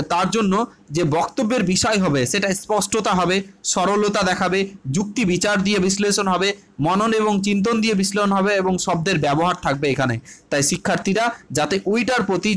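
A male teacher with a high, slightly bright voice and a Bengali accent runs an online exam-prep class. He poses questions to his students and answers them himself, repeats each key point, and mixes English terms into his Bengali.

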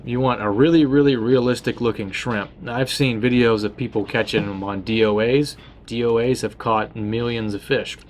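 A man's voice: mid-range voice, slight background noise. A man in his thirties, a tackle shop host, talking casually about fishing tactics with plenty of uh fillers. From Florida. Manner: relaxed and conversational, with many uh fillers and restarts. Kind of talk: casual fishing how-to talk.

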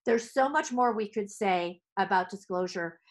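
A middle-aged woman gives a lively talk to other speech therapists from her office. She gestures as she speaks into a headset mic, in a mid-pitched voice. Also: normal speed. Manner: animated, gesturing with both hands. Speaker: speech-language pathologist. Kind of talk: presenting to clinicians. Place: home office.

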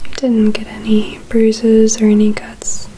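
A young adult woman doing a gentle, soothing ASMR roleplay in a breathy whisper, close to the microphone. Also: fairly high pitch, completely flat delivery, measured pace, a little hiss or hum, poor audio. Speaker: ASMR artist in a personal-attention roleplay. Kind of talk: soft-spoken ASMR roleplay. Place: small indoor room with curtains. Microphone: close USB condenser microphone.

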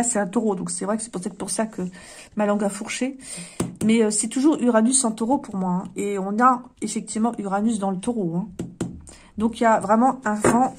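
A woman's voice: medium pitch, a little mellow. A woman doing a card reading, thinking aloud with many fillers and restarts and talking straight to her viewers. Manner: musing, talks straight to viewers. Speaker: card reader. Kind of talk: casual card reading to camera.

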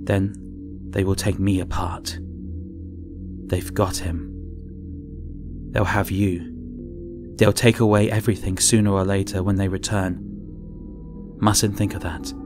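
A man reading an audiobook, voicing a frightened, trapped woman journalist who mutters urgently, swinging between loud outbursts and whispers. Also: deep voice, little pitch movement, takes it slowly, pauses often, over music. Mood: frightened, desperate. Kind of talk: first-person audiobook reading.

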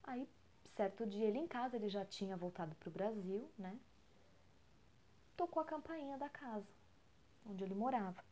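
Brazilian woman, Brazilian Portuguese accent, soft near-whisper, mellow tone, storytelling podcast at home. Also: medium pitch, expressive, normal speed, pauses often. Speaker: podcast co-host. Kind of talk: storytelling talk.

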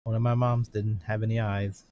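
A man's voice: on the low side, level tone, normal speed, no echo, muffled recording. A man playing a tabletop game, speaking in an easygoing, hesitant way. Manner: easygoing, hesitant, lots of agreeing murmurs. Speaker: player. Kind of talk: casual tabletop play over voice chat.

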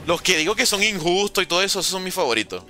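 A Venezuelan man streaming a game live, chatting with viewers and reacting in quick bursts. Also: sits high, faint music behind. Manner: lively, banters with chat, talks fast in bursts. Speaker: gaming streamer. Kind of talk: live gameplay commentary reading chat.

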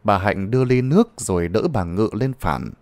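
Low-voiced dramatic horror storyteller man. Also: lively intonation, normal speed, darkish tone, dry recording. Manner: dramatic, suspenseful.

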